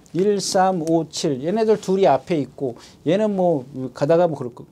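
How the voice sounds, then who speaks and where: The voice, with a North Korean accent, is heard on a very clean recording against a silent background. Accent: uses North Korean dialect expressions. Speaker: horse racing tipster. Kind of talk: race prediction talk. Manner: casual, conversational.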